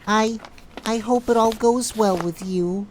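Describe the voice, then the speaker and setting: Someone acting a concerned woman in an audio drama, slow and caring, bit of background noise. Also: fairly high pitch, close to an everyday voice. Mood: worried, sympathetic. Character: worried, sympathetic woman, close to the doctor.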